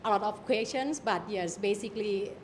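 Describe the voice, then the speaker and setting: A woman's voice: mid-range voice, moderate pace, slight background noise. A woman moderating a live Q&A at an event, friendly and a little nervous, with lots of fillers. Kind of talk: hosting a public Q&A. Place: event venue.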